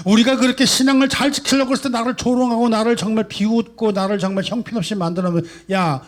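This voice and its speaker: A male pastor preaching a sermon, asking rhetorical questions and swinging between soft and loud emphasis. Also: very high voice, fairly even intonation, very fast. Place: church sanctuary.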